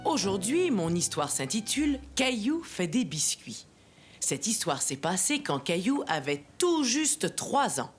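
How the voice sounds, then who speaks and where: Kindly cartoon grandma reading a story, slow and really singsong, music behind. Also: female voice, mid-range voice. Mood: warm storytelling. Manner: unhurried, expressive storytelling. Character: kindly grandmother reading bedtime stories to children. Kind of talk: storybook narration in a children's cartoon.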